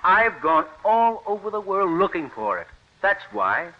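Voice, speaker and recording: A man's voice: high-pitched, big pitch swings, a little slow, heavily acted. An actor playing an earnest, persuasive wheat farmer pleading his case in an old radio drama. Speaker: plant explorer pitching new wheat. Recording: dull lo-fi old radio recording.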